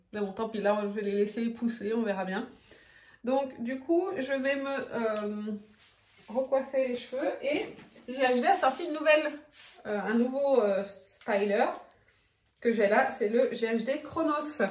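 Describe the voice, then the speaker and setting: Chatty woman vlogger in an echoey room. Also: a little high. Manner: chatty, with frequent fillers and little laughs. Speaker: beauty vlogger. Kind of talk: casual vlog chat. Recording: echoey room, faint background noise.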